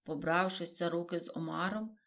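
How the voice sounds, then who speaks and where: A woman voicing a boisterous, excitable male griffin from a storybook, who keeps interrupting and shouting. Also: fairly low pitch, brisk.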